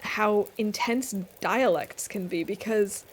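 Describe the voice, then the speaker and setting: A woman's voice: medium pitch, takes it slowly, a little hiss or hum, poor audio. A woman streaming a game, chatting casually and thinking aloud with frequent fillers. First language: English. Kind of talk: casual gaming stream chat.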